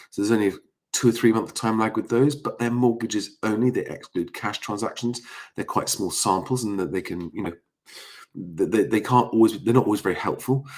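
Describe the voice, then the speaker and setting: A quiet man at medium pitch with a fairly quick pace and ordinary pitch variation, on a very clean recording with a silent background. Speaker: estate agent / property commentator. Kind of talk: livestream commentary. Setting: home livestream. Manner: speaking quietly.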